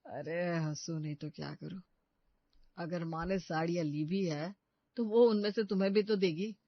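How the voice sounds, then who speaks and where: A woman voicing an easygoing young husband who talks in a relaxed, soothing way, in a dry, dull recording. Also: lowish voice, moderate pace, dry recording.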